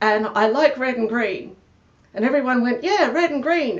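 A woman talks with an Australian accent at a moderate pace. Her pitch is high. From South Australia. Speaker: morris dancer and troupe founder. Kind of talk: interview.

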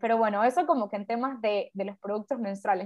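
A woman's fairly high-pitched, plain, everyday voice at a fairly quick pace, with ordinary pitch variation. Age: 20s. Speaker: podcast host and lawyer. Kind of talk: casual chat.

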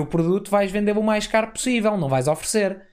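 Fairly quick speech from a man, ordinary in pitch variation. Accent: European Portuguese. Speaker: football fan podcast host. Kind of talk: casual live podcast chat. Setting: rooftop terrace.

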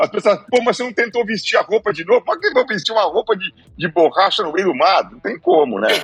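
A high-pitched man talks very fast with lively intonation and hardly any pauses. His loudness swings widely, and the sound is dry and close with no echo. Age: 50s. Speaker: businessman and triathlete. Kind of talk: casual interview.

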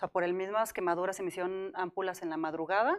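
Against a quiet background, a woman speaks at medium pitch with fairly even intonation, the sound dry and close with no echo. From Mexico, Celaya (Guanajuato). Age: 40s. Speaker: mountaineer. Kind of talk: interview.

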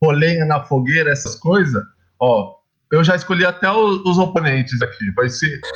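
Using an unremarkable speaking voice, someone talks fairly slowly with lively intonation. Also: man. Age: 20s. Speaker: IT business owner, quiz master. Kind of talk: casual chat, game hosting.

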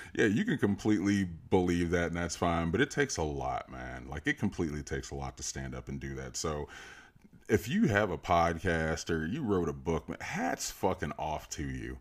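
Vocal fry marks a man's very deep, low voice, relaxed in tone. His loudness swings widely, on a very clean recording with a silent background. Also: lively intonation, moderate pace. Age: 40s. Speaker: podcast host and resin artist. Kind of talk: casual solo monologue. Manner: relaxed, frequent laughs and fillers.

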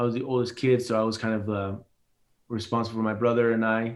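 Here a man speaks fairly quickly at a medium pitch. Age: 40s. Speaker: founder of a creative studio, documentary filmmaker. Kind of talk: interview conversation.

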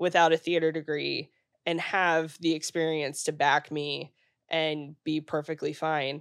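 A woman talks at a moderate pace with an ordinary speaking voice. Her pitch is fairly low. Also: very clean recording, silent background. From Virginia. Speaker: stage manager and songwriter. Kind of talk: casual interview.

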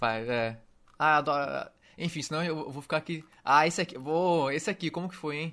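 With a bright, sharp tone, a man speaks at a moderate pace in a fairly high pitch with ordinary pitch variation. The recording is very clean, with a silent background. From Santos, São Paulo state, Brazil. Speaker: YouTuber, interviewer. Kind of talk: casual chat. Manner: animated.

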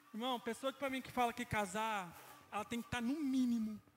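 A man talks at a moderate pace with an extremely high pitch. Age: 30s. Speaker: preacher. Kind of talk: sermon. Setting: church. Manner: animated.

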